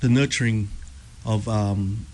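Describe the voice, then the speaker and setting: Hesitant low-voiced Australian man. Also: fairly even intonation, slow, a little mellow, slight background noise. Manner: hesitant, many ums and repeated words. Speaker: radio guest. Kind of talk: personal testimony interview. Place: radio studio.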